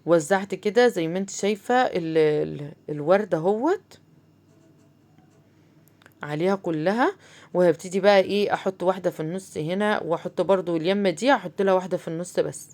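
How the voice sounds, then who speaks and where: With a lowish, darkish voice and a slightly fast pace, this Egyptian-accented woman runs a crafts channel. She chats straight to her audience in a relaxed tutorial, explaining every step with plenty of fillers.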